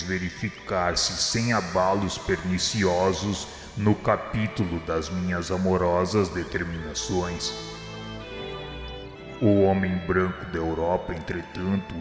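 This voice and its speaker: Guy playing a solemn merciful holy master in a radio play, really slow preachy delivery, big echo, music under it. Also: low voice. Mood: solemn, grave. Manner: measured, solemn, preaching declamation. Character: Jesus, solemn divine master, grave and merciful. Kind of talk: solemn radio drama acting, formal oratory. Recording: echoey reverberant hall sound, music underneath.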